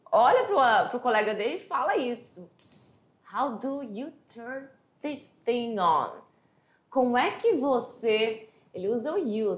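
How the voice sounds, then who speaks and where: A Brazilian woman teacher giving a lively exam review lesson, chatty, slowing down to read English phrases aloud. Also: a little high, roomy sound. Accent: Brazilian Portuguese. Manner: animated, chatty, reads English quotes slowly.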